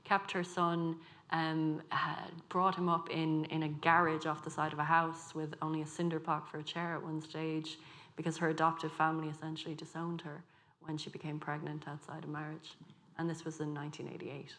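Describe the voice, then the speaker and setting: Low flat-voiced Dublin woman. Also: moderate pace. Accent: Dublin Irish. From Ireland. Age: 30s. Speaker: author on a festival panel. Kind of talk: panel discussion.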